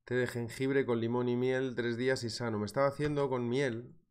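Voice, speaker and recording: Here a man in his thirties, Spanish-accented from Spain, talks at normal speed with a smooth, medium-pitched voice despite a cold-induced sore throat. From a desk in a small room, he hosts a live trading webinar, going through market analysis and viewer comments in a chatty, energetic way aimed right at the viewers.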